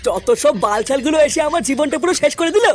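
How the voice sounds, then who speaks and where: A woman's voice: high voice, animated, fast talker, darkish tone. A woman voicing a grumpy, harried, foul-mouthed old village grandfather in a comedy cartoon. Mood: exasperated. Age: older. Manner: grumbling, nagging.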